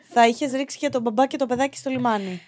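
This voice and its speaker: A woman's voice: fairly high pitch, darkish tone. A woman hosting a casual podcast who asks prompting questions and reacts in short bursts. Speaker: podcast host.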